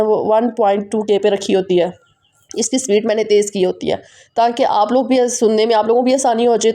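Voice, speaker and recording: Fast-talking Pakistani woman vlogger, mellow voice. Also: on the high side. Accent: Pakistani Urdu. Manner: fast, run-on, talking straight to viewers. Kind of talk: casual chatty voice-over.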